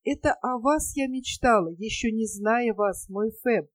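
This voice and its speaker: Brief: woman performing a lovestruck young gypsy girl, girlish and pleading, pitched high, storybook reading. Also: a little slow, dry recording, close to an everyday voice. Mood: adoring. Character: young female gypsy dancer, adoring and naive.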